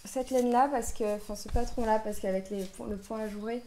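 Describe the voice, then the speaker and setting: A woman's voice: fairly high pitch, fairly even intonation, fairly quick, dark tone, slight background noise. A woman hosting a knitting podcast, talking casually with lots of fillers and restarts. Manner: hesitant, many fillers and restarts. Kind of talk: casual chat.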